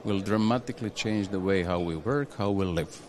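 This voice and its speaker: Deep-voiced male executive. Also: darkish tone. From Croatia. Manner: halting, restarts phrases, tags with "yeah?". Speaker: industry executive guest. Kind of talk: conversational interview.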